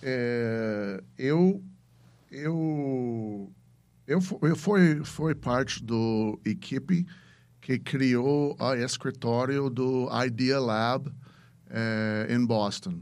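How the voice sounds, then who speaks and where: A man's voice: medium pitch, drawn-out words, a little mellow. A man with an American accent, a native English speaker, talking casually as a podcast guest and searching for words in his second language. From United States. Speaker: podcast guest, venture capitalist.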